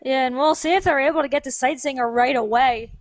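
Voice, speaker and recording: High-pitched woman commentating on baseball. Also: fast talker, no echo. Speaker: sports co-commentator. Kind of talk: live baseball analysis, conversational.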